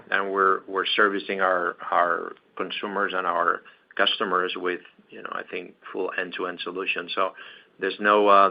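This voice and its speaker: A man answering questions as a company executive on an earnings call, speaking haltingly with pauses and repeated words. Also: deep voice, gravelly. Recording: dull, muffled conference call audio.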